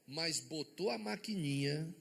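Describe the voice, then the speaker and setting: A man's voice: on the high side, animated, a little slow, vocal fry, fairly bright tone, slightly rough. A man with a Brazilian accent, a bishop preaching a sermon and firing rhetorical questions at his congregation. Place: church sanctuary before a congregation. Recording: long church reverb.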